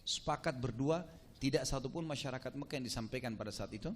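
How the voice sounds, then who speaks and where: A man preaching, telling a story to his audience with lively quoted voices and casual asides. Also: fast, a little hiss or hum. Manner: animated, acts out quoted speech with shifting pitch. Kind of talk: sermon storytelling.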